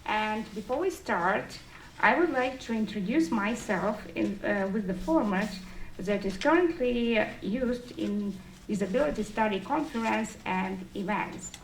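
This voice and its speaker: Woman in her thirties, gravelly fry, public speaking, phrasing, distant roomy recording. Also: medium pitch, lively intonation, a little slow. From Estonia. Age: 30s. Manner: non-native English phrasing. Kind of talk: public speech to an audience. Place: indoor forum room with an audience. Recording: distant mic, roomy echo, faint noise.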